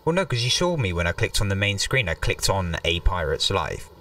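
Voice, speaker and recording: Very deep-voiced man streaming a game. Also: big pitch swings, fairly quick, bright, forceful tone, far from the mic, a little hiss or hum. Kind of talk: casual live game commentary.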